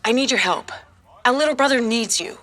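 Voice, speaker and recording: A woman's voice: on the high side, a little fast, a bit bright, lightly acted. A woman voice actor playing a girl's confident, urgent future self in a fiction podcast. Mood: urgent, assured.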